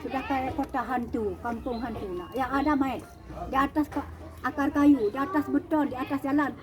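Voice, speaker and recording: An older woman telling what she saw as an eyewitness, animated and acting out the cries and calls of others. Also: sits high, moderate pace, soft background music. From Aceh, Indonesia. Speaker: tsunami eyewitness speaking to visitors. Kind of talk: emotional eyewitness storytelling. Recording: crowd of listeners around. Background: crowd.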